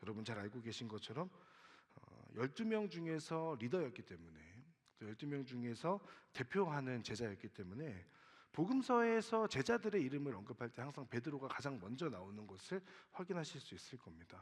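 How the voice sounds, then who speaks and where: A man speaks at a moderate pace in a medium pitch. His pitch swings very widely, and his loudness shifts in big swings. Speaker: pastor. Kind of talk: sermon. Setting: church service in a school auditorium.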